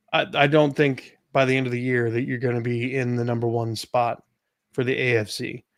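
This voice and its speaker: The speaker is a man with a medium pitch. He talks at a moderate pace in a monotone, flat intonation. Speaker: sports podcast host. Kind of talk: casual chat.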